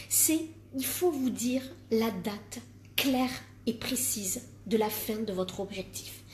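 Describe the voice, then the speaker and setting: A woman's voice: fairly high pitch, darkish tone, slight background noise. A woman life coach giving a live-streamed coaching talk, emphatic, repeating words for stress and joking at herself.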